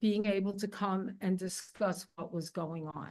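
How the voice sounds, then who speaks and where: A woman with a New York accent speaks fairly slowly with lively intonation. The background is quiet. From Brooklyn, New York. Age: 70s. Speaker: resident speaking at public hearing. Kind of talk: public comment at town meeting. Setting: town hall meeting with audience. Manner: loud.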